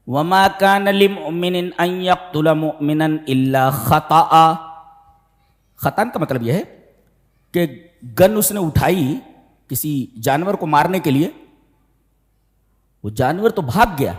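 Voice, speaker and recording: A man giving a Quran commentary lecture, chanting Arabic verses slowly and breaking into sudden emphatic high bursts. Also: long reverb tail.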